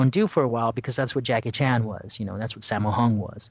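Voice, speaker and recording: This man speaks with an American accent and ordinary pitch variation. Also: very clean recording, silent background. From Northern California. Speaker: actor and stuntman. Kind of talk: interview.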